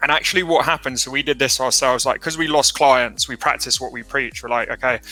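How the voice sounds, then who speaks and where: At a very fast pace, a man speaks with a British accent and fairly even intonation. Noticeable background noise runs underneath. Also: fairly high pitch for a man. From England, London. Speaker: entrepreneur, sales consultancy founder. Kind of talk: interview answers. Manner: casual, conversational with fillers.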